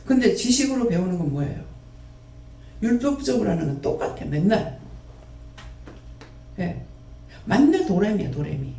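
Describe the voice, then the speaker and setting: A man's voice: high voice, very animated, moderate pace, vocal fry, pauses often, warm tone. A man who runs a prayer house, preaching a sermon and scolding his listeners with one rhetorical question after another. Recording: roomy echo, mic at a distance.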